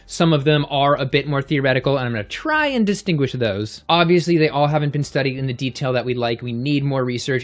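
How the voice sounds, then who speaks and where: A man hosting an upbeat science explainer, energetic and given to jokey asides. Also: mid-range voice. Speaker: host.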